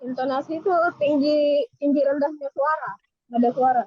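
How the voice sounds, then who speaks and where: High-voiced woman answering politely on a call. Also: fairly even intonation, normal speed, muffled recording. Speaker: participant. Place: on the road, riding as a passenger.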